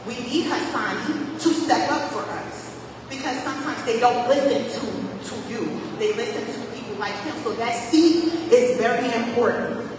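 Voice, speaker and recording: A woman's voice: fairly high pitch, moderate pace. Earnest woman in an echoey hall. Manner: earnest, repetitive, emphatic. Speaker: parent speaking at public comment. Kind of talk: public comment at a school board meeting. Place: large meeting hall. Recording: echoey hall from far off, noisy.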